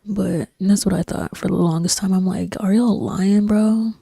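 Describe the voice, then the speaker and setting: A young woman streamer chatting casually while she plays, in a soft-spoken, breathy, near-whispered voice that rambles with lots of fillers. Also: mid-range voice, normal speed, no echo, studio quality. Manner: rambling, relaxed, frequent fillers and slang. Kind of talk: casual chat while gaming. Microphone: desk microphone.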